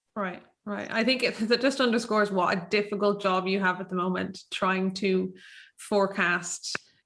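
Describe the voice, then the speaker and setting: At a moderate pace and medium pitch, a woman speaks with an Irish accent and fairly even intonation. The background is quiet. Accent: clearly Irish. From Ireland. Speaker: podcast host. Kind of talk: podcast interview.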